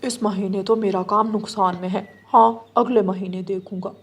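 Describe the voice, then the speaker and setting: A woman's voice: medium pitch, fairly even intonation, moderate pace, slightly rough. Woman doing a curt shopkeeper uncle. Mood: dismissive. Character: middle-aged male shopkeeper bird, curt.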